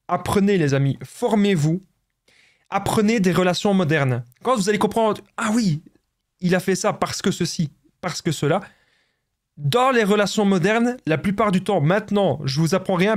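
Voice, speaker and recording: Belgian coach, male, high voice; pushes the point, repeats himself, speaks to viewers as friends. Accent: Belgian French. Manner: emphatic, repetitive, addresses viewers as friends. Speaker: relationship coach. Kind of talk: direct-to-camera advice monologue.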